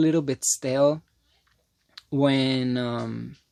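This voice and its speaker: A man with a Spanish accent is heard in a dry, close sound with no echo. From Mexico. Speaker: movie reviewer. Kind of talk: casual video review. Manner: halting, many fillers and restarts.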